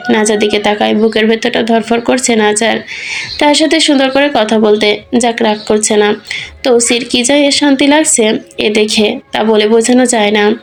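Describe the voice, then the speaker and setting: Woman storyteller, slightly high voice, steady story narration, faint music underneath. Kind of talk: scripted narration of a romantic audio story.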